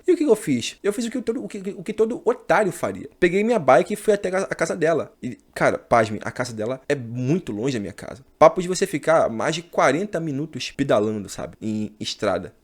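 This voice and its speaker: Fast-talking Brazilian man in his thirties. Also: mid-range voice. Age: 30s. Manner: slangy, addresses viewers as brothers. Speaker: channel host. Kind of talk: casual monologue to camera.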